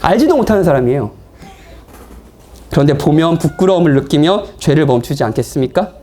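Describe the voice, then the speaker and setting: A man's voice: fairly high pitch, expressive, brisk, mellow. A man preaching a sermon in a church, speaking conversationally and playfully with his congregation. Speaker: pastor. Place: church, afternoon service.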